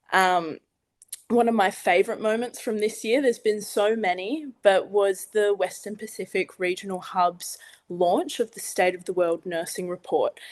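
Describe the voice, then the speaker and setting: A woman speaks with an Australian accent at a moderate pace. Her pitch is medium, with ordinary pitch variation. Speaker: nursing student. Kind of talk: webinar talk.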